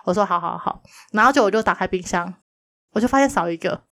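A woman's voice: mid-range voice, quick pace, fairly bright tone. A woman co-hosting a casual chat podcast, telling stories and acting out quoted lines with frequent laughs. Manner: chatty storyteller, acts out quoted lines, laughs often. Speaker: podcast co-host.

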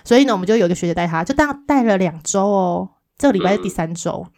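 Woman, podcast co-host, rapid lively storyteller. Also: on the low side. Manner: lively storyteller, acts out the other people's replies. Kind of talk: casual chat, telling a work story.

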